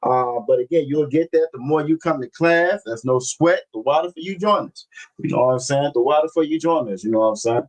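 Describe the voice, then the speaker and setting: A man teaching a religious language class over a video call, reading scripture slowly and often repeating himself. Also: fairly high pitch, poor audio. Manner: repeats phrases, constant "you know what I'm saying"; slow, deliberate scripture reading.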